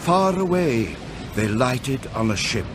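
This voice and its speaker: A man narrating a Victorian Christmas ghost tale for radio drama in a measured, expressive storytelling manner. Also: medium pitch. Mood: dramatic, ominous. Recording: loud sound-effect noise behind the voice.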